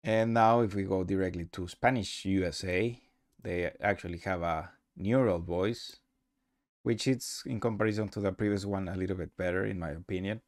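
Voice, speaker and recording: Low-voiced man, halting tutorial narrator. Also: fairly even intonation, dry recording, studio quality. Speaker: host demonstrating his software. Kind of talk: casual software tutorial narration.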